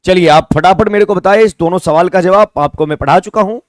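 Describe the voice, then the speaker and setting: A man's voice: sits high, fast talker, dry recording, clean studio sound. A man with an Indian accent teaching an online exam-prep English class, mixing Hindi and English, spelling words out letter by letter and asking viewers to comment their answers. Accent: Indian, Hindi-speaking.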